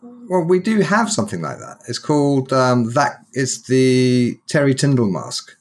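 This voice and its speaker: A man's voice: mid-range voice, sing-song, measured pace. A man, hosting a podcast in a chatty, humorous storytelling way. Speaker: podcast host. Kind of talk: casual podcast interview.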